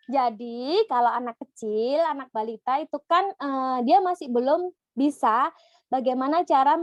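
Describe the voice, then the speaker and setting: High-voiced woman psychologist, lilt, dry close sound, lively over a video call. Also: dry recording. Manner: lively, acts out the voices of children and clients. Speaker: psychologist answering audience questions. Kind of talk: online Q&A talk.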